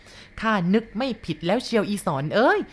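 A blunt, rough-spoken old village grandmother in a storybook reading, put on by a woman. The voice sits well above the reader's own low tone and comes out louder and sharper. She talks plainly and without softness. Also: very animated, normal speed. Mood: grave.

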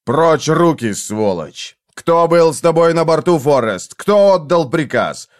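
A man voicing a brutal vengeful man who interrogates in a harsh, slow, menacing way. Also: fairly high pitch, big pitch swings, pitched above the performer's own voice.

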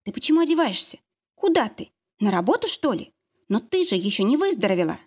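A woman's voice: a little high, sing-song, fairly quick, a little mellow. A woman voicing a worried, half-asleep teenage girl who pleads with her mother. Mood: alarmed.

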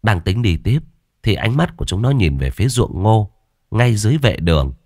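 A man narrating a horror story in a lively, expressive way. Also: fairly low pitch, moderate pace.

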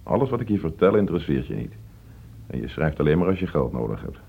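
Deep-voiced, husky father in an old radio play. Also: sing-song, exaggerated voice. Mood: reproachful. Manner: reproachful, emotional, halting when upset. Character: frustrated divorced father pleading with his teenage son. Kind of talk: Dutch radio play acting. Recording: dull, muffled old radio play recording.

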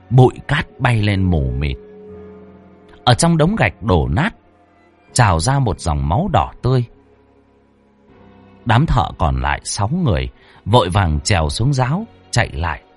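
A man narrating a ghost story in a lively, expressive, dramatic way. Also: lowish voice, slightly rough.

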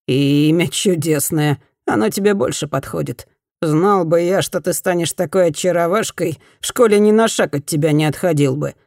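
A woman's voice: lowish voice, moderate pace, a little mellow, no echo, clean studio sound, close to an everyday voice. A woman voicing a brash, drunken male ex-boyfriend who drawls and leers in a pushy way. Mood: leering.

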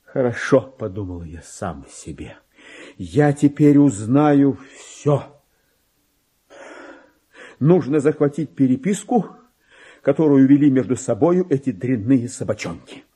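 An actor playing an excitable, self-important, paranoid petty clerk in a theatrical radio monologue, with a husky voice and volatile delivery that swings between confiding and outbursts. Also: male voice, mid-range voice, slow pace, long pauses. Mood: excited scheming. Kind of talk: dramatic monologue reading in a radio play.

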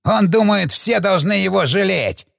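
A man voicing a furious, blustering male hospital boss who shouts threats in a raised voice. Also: a little slow, creaky, no room sound, clean studio sound, heavily acted. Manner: shouting, threatening, higher-pitched.

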